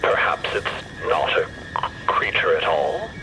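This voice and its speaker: A man's voice: rumbling low, sing-song, slow, very noisy, heavily acted. A man playing a polite, curious robot in an audio drama, with a precise and mannered way of speaking. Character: polite, curious male robot with metal head. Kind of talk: audio drama character acting. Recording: voice under loud background music.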